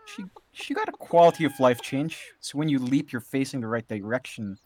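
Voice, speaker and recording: A man from Southeast Asia with a Southeast Asian English accent, giving relaxed, analytical esports color commentary. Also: mid-range voice, moderate pace. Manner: relaxed, easily amused, thinking aloud. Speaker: esports co-caster.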